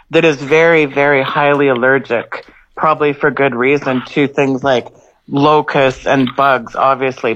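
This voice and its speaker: A woman's voice: rumbling low, fairly bright tone, lo-fi sound. A woman co-hosting a radio talk show, speaking emphatically and warning listeners. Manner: emphatic, conspiratorial.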